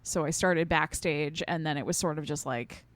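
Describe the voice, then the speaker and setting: A woman's voice: low-pitched, normal speed, dry recording. A woman co-hosting a podcast, chatting casually in a playful, teasing way. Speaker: podcast co-host. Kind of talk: casual conversational chat.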